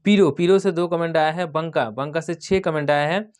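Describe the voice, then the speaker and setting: A man's voice: fairly high pitch, normal speed, darkish tone. Casual Indian tech vlogger man. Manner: spells out place names letter by letter, repeats "ठीक है". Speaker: tech channel host. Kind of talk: casual explainer reading viewer comments.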